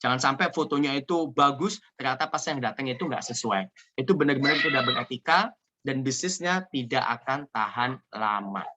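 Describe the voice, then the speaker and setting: A man from Indonesia giving an energetic, joking motivational business talk over a video call. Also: mid-range voice, normal speed. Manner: energetic, joking, repeats "ya" often. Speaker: seminar speaker.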